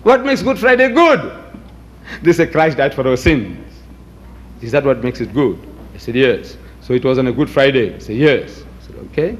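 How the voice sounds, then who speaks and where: A man's voice: mid-range voice, sing-song, normal speed. A man from South Africa with Gujarati as his first language, giving an emphatic, rhetorical lecture and acting out debates. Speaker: public speaker on religion. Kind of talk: lecture to an audience.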